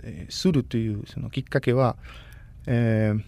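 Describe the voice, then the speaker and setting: A man in his thirties from Costa Rica, a native Spanish speaker, talking as a guest in a casual interview. He speaks politely and in a measured way, often pausing to find his words. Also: medium pitch, creaky, dark tone. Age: 30s.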